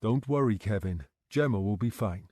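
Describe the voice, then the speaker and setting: A calm male detective, read by a man, asking careful questions in a gentle, measured way. His mellow voice moves in lively rises and falls. Recorded close and dry. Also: on the low side, dry recording.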